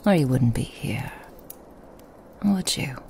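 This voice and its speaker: In a dark, unhurried ASMR roleplay, a woman voices a sly, menacing Christmas demoness who whispers close to the mic, teasing and insinuating. Her exaggerated, expressive voice is extremely deep and gravelly, drawled slowly, with a slight hiss or hum.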